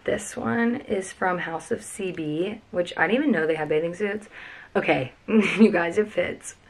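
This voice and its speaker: A woman's voice: on the low side, measured pace. A young woman, chatting and gushing through a casual packing vlog in a cluttered bedroom, recorded by a camera a few feet away. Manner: chatty, gushing, lots of "like" and "freaking". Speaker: vlogger. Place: cluttered bedroom, sitting on the floor.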